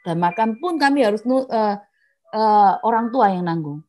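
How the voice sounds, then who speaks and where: A woman's voice: medium pitch, lively intonation, moderate pace, mellow, faint music behind. A middle-aged woman giving an earnest personal testimony at an online prayer meeting, speaking straight to her listeners as brethren.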